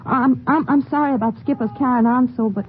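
A woman's voice: high voice, fairly quick, lightly acted. An actress playing an uneasy, apologetic young wife and mother, polite and hesitant, in a 1950s radio drama. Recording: tinny, faintly noisy 1950s radio recording.

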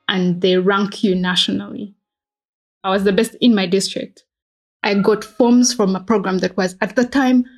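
A woman's voice: mid-range voice, slightly rough, low-quality recording. A woman in her twenties with a Ugandan accent, telling a personal story in a conversational, reflective way. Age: 20s. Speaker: interviewed alumna, history PhD student.

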